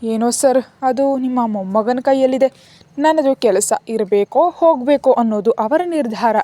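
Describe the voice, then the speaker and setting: A woman's voice: a little high, normal speed, dark tone, dry recording, lightly acted. A woman voicing a polite, tender-hearted young woman working as a nanny in a spoken story, reading her lines earnestly.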